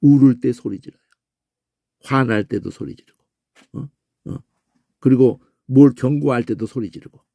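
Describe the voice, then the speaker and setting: A man teaching a Bible word-study lecture, animated, often breaking into a questioning "eh?" and imitating crow calls and shouts. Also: mid-range voice, normal speed, creaky, pauses often, dry recording.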